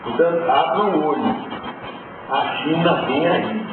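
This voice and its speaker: A man's voice: a little high, lively intonation, measured pace, heavy background noise. Provocative male lecturer in an echoey hall. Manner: provocative, emphatic, rhetorical questions. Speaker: teacher. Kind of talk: spiritual lecture to a class. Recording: distant, phone-like, echoey hall recording with loud ambience.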